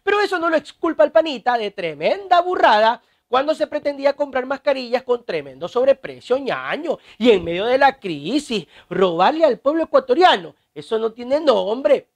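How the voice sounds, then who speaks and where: A man's voice: very high voice, sing-song, moderate pace, hardly any pauses. A man hosting a satirical news show, speaking in a mocking, slangy way. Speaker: host.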